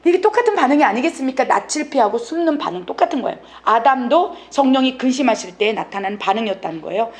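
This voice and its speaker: High-voiced, fervent woman preacher. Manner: fervent, dramatic preaching with sudden soft drops. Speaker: missionary pastor. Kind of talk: sermon.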